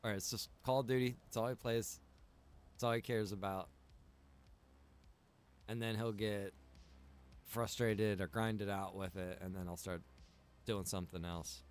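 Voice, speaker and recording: Livestreaming a game, a man chats playfully with viewers in slangy talk, calling them bro and dude. His voice is lowish, clear and resonant, with fairly even intonation, a measured pace and long pauses, and music plays behind him.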